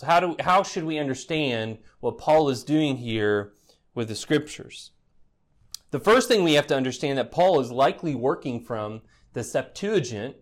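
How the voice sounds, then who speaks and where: In a mid-range voice, a man preaches an expository sermon as pastor, teaching conversationally. Again and again he tosses rhetorical "right?" questions to the congregation, with a touch of dry humor that teases them.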